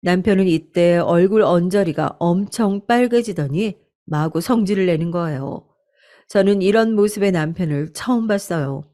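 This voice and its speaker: A woman's voice: on the low side, moderate pace, dark tone. Female storyteller for a radio-style true story; earnest, confiding first-person narration.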